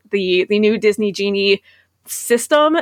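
The sound is dry and close, with no echo. In an ordinary speaking voice, a woman at medium pitch speaks with lively intonation. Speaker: podcast host.

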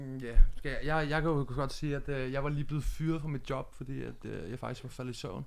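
This man's voice sits fairly high in pitch with fairly even intonation. Audible room echo surrounds it. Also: moderate pace. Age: 20s. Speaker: product developer. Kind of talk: interview.

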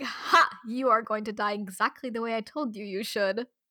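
In a put-on character voice, the speaker cackles at a moderate pace with big swings in loudness. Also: woman, fairly high pitch for a woman. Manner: cackling, gleeful.

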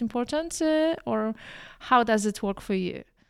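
With a plain, everyday voice, a woman speaks at a fairly high pitch, moderate pace and lively intonation. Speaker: podcast host. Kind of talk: casual interview.

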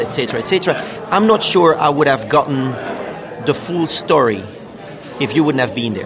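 Lively intonation marks this man's speech at a fairly high pitch. Noticeable background noise sits behind him. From Belgium. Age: 40s. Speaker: restaurant chain CEO. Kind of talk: interview. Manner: halting.

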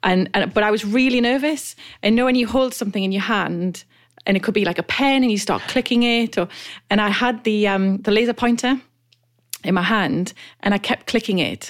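On a very clean recording with a silent background, a woman with a normal speaking voice talks fairly quickly and fairly high, with ordinary pitch variation and very even loudness. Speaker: podcast co-host and university lecturer. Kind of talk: casual conversation.

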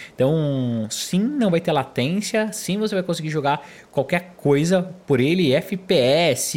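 In a normal speaking voice, a man talks at a fairly slow pace, fairly high in pitch with ordinary pitch variation. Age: 30s. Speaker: games studio executive. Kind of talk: interview.

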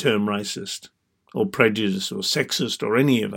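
A man talks with an Australian accent. His pitch swings very widely. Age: 50s. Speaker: podcast host. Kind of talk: monologue commentary.

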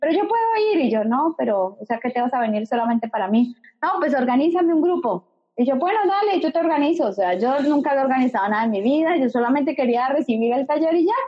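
Talking at a very fast pace, a woman with a high voice swings her pitch very widely while keeping her loudness very even. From Colombia, Bucaramanga (Santander). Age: 40s. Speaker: holistic therapist. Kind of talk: interview.

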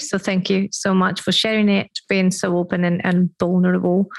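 A woman speaks in an ordinary speaking voice at a moderate pace and medium pitch, recorded very cleanly with a dry, close sound, no echo and a silent background. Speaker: life coach, podcast host. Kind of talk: podcast interview.

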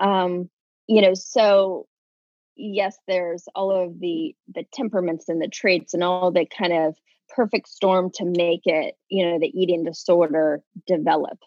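Speaking slowly in a plain, everyday voice, a woman with an American accent uses medium pitch and ordinary pitch variation. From Kansas. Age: 40s. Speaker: psychotherapist. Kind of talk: interview.

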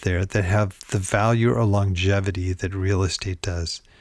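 A man with a fairly low, somewhat breathy voice talks at a moderate pace. The recording is very clean, with a silent background. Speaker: real estate investing podcast host. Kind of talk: solo podcast tips episode. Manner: casual with many fillers.

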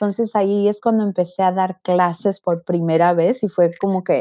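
Recorded with a dry, close sound and no echo, a woman speaks in a medium pitch with a dark, mellow tone. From San Francisco Bay Area, born in Jalisco, Mexico. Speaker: business consultant. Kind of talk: interview.

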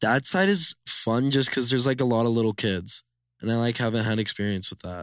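At a fairly quick pace, a man talks in a plain, everyday voice at medium pitch. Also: ordinary pitch variation. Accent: American. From Utah, US. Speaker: host's younger brother. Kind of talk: casual chat.

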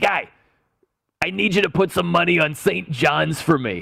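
A gravelly, put-on character voice delivers the lines at a moderate pace. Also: man, fairly high pitch for a man.

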